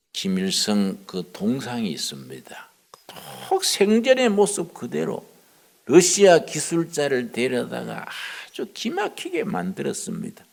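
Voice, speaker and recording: Older man, pastor, folksy sermon storytelling, gravelly voice, swinging pitch. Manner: folksy, colloquial storytelling with acted quotes.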